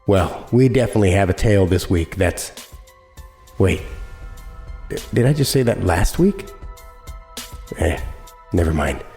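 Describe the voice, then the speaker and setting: A man's voice: low voice, animated, unhurried, gravelly, pauses often, darkish tone, echoey room, faint music behind. A man hosting a podcast, reading a scripted introduction in a casual, chummy, conversational way. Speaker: podcast host.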